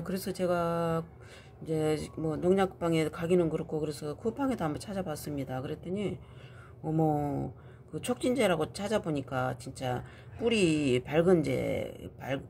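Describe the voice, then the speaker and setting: A woman's voice: deep voice, a little mellow, a little hiss or hum. Chatty woman hosting a plant vlog. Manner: chatty, exclaims often in delight. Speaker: channel host. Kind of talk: casual plant-care vlog.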